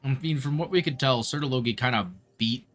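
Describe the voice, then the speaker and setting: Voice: medium pitch, a little fast, a bit bright. A streamer giving casual commentary while playing a video game. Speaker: streamer, VTuber. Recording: faint game music behind the voice. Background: game music.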